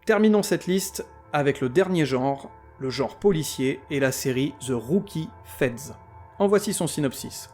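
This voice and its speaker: A man's voice: on the high side, expressive, unhurried, a little mellow, faint music behind. A man hosting a podcast who reviews TV series in a scripted comic style, full of sarcasm, crude words and mock outrage. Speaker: podcast host.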